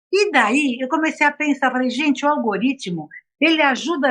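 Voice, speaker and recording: A woman's high-pitched voice at a moderate pace. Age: 70s. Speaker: motivational speaker and author. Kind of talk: interview. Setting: radio.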